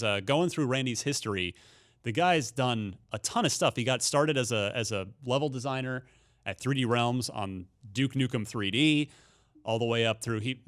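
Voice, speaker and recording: A man's voice: mid-range voice, fairly bright tone. A man hosting a podcast in casual, conversational talk, plugging things to check out. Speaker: podcast host.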